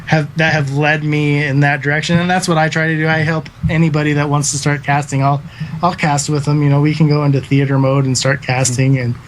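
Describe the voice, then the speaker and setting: A man's voice: on the high side, little pitch movement, fairly quick, a little hiss or hum, poor audio. A man in his thirties, a guest esports caster, talking earnestly in a casual podcast interview, with lots of fillers. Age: 30s. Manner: earnest, rambling with many fillers.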